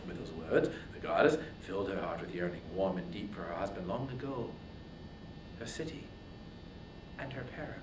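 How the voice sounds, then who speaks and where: A man narrates ancient epic poetry theatrically. His pitch rises and falls widely around dramatic pauses and swells. He sounds slightly distant, in an echoey room with faint noise. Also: animated. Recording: roomy echo, distant mic, faint noise.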